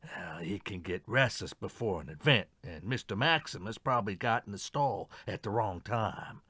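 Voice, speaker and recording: A man's voice: on the low side, animated, normal speed, pushed and bright, husky, dry recording, exaggerated voice. A man acting a stubborn, defensive horse trainer in an audio mystery play, respectful but defiant. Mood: nervous, evasive. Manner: defensive, addresses superiors respectfully.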